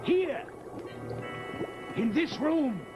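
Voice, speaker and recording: Gloating, theatrical black magician. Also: male voice, very high voice, lively intonation, extremely slow, dull audio, heavily acted. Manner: grandiose, menacing, declamatory. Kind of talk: 1940s radio horror acting. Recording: vintage radio recording, music behind.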